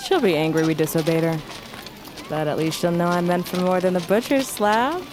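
A woman's voice: lowish voice, fairly quick, noisy background, lightly acted. A young woman playing a defiant, bitter tribal butcher, the queen's daughter, in an intense, biting audio drama style. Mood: grave, low.

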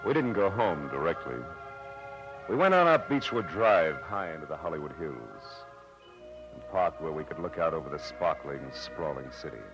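An American actor playing a wry, tough private detective in a 1940s radio noir drama, with clipped, dramatic delivery. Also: male voice, extremely low pitch, very animated, normal speed, exaggerated voice. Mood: reflective. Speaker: lead actor and narrator. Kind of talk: 1940s radio noir acting, first-person narration. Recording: dull vintage radio recording with music.

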